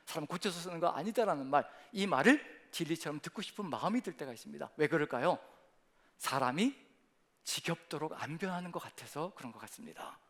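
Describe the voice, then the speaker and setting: 빠르게 말하는 남성 목사의 설교. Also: male voice, fairly high pitch. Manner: rhetorical questions, leads congregation in reading. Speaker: pastor. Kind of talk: sermon. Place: church sanctuary.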